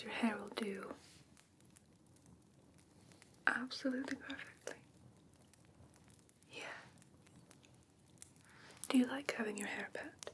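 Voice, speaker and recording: Slow whispering fae creature, acted by a woman. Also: medium pitch, lightly acted. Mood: gently curious. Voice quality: breathy, mostly whispered. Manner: slow, soothing, politely haughty, curious. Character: whimsical female fae creature gently inspecting a human pet. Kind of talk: ASMR fantasy roleplay. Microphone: close ASMR microphone.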